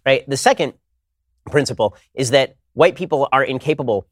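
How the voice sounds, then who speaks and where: A man on a studio panel making a fast, emphatic argument, with frequent rhetorical "right?" checks. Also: mid-range voice, dry recording. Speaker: roundtable panelist. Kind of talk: rapid argumentative commentary.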